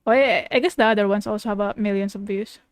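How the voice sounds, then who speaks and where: A woman's voice: medium pitch, fairly even intonation, fast talker, no room sound. A woman VTuber giving casual, exclamatory reaction commentary with informal swearing, recorded close in a dry room. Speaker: VTuber host.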